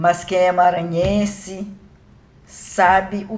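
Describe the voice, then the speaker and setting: At a very slow pace, a woman speaks in a somewhat breathy voice of medium pitch. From Brazil, rural interior of Maranhão. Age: 60s. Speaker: evangelical preacher. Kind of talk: casual religious video talk, personal testimony. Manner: informal, conversational.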